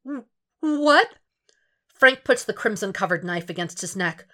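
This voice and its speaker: A woman's voice: on the low side, moderate pace, sharp tone. A woman reading scripted fiction aloud as an audiobook narrator, in a dramatic storytelling style.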